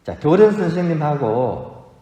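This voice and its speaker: A man preaches a homily, telling stories and often asking his listeners questions. His voice is mellow and on the higher side, with lively rises and falls. It rings out with a long reverb through a large church hall. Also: unhurried. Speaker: Catholic priest. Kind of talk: homily to a congregation.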